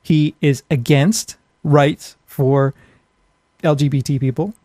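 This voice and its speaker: Blunt, sweary man with a higher-pitched voice. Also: fairly even intonation, slow, warm tone, no echo, clean studio sound. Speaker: podcast co-host. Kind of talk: ranting casual podcast talk. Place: small home office.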